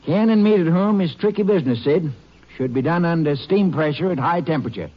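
A man's voice: on the high side, expressive, fairly quick. A man acting a matter-of-fact small-town doctor in a 1950s radio drama, plainspoken and explanatory. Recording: muffled 1950s radio recording.

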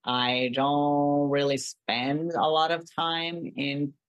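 Guest, halting and dry. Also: medium pitch, level tone, no echo, dull audio. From Brazil. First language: Portuguese. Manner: rambling, many "like" fillers and restarts. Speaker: podcast guest, artist. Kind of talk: casual interview chat.

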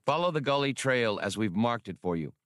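A man voicing a stern, ruthless official who commands a robot army, formal and deliberate, in a science fiction audiobook. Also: medium pitch, lively intonation, fairly bright tone, no room sound, clean studio sound, lightly acted. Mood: ruthless, commanding.

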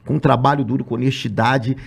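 A man's voice: mid-range voice, fairly even intonation, fast talker, creaky, slightly rough. A middle-aged man from Brazil, a podcast guest talking in a reflective, rambling way with many fillers. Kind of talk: casual chat.

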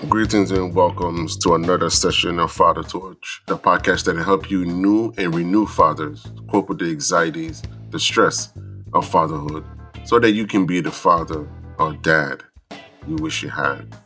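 A man's voice: low voice, moderate pace, sharp tone, faint music behind. A middle-aged man with a stuffy nose from a flu, hosting a podcast and earnestly urging fathers. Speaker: podcast host. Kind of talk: personal podcast monologue.

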